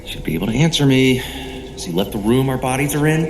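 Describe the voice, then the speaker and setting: Audio drama sorcerer, male actor: wry, theatrical, self-assured man muttering to himself with lively pitch, roomy echo, noisy ambience. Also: quick pace, close to an everyday voice. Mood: urgent, irritated. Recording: echoey room with noisy ambience behind.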